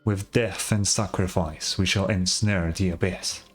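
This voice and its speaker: An actor playing an earnest tribal storyteller in a video game, telling heroic legends in a measured, reverent, solemn way. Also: male voice, deep voice, steady tone, breathy edge, soft background music. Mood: solemn, dramatic. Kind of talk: dramatic storytelling, scripted game dialogue.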